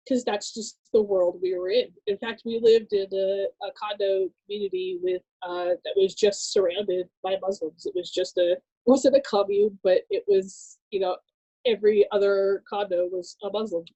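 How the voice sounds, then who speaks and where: A woman in her thirties from Southern California, a podcast guest telling her life story in a relaxed way, laughing easily and using many fillers. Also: mid-range voice, moderate pace, breathy edge, low-quality recording. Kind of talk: personal testimony in casual chat.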